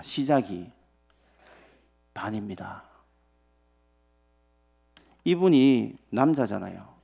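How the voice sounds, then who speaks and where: Male pastor, animated storytelling sermon; husky, expressive pitch. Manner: animated storytelling with rhetorical questions to the congregation. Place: church sanctuary.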